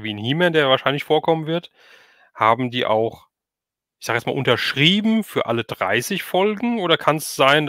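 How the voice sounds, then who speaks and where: A man with a bright, forward voice at a middle pitch, recorded very dry. He hosts a livestream in a casual chatting style, putting questions informally with little asides. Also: no room sound. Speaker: livestream host, interviewer. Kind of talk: casual livestream interview chat.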